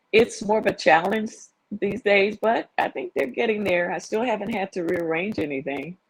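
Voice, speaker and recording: A plain, everyday voice with an American accent, ordinary pitch variation, a moderate pace and a dry, close sound with no echo. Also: woman, medium pitch for a woman. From Louisiana, US South. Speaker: mother and great-grandmother. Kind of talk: interview.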